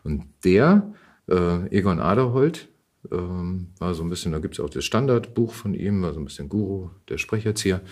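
A man in his fifties telling stories casually in an interview, thoughtful and halting as he searches for words. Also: low voice, lively intonation, a little mellow. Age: 50s. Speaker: actor and podcast guest.

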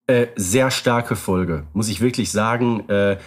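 A man co-hosting a podcast, chatting in a relaxed conversational way with occasional fillers. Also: lowish voice, slow pace. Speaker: podcast co-host. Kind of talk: casual podcast chat.

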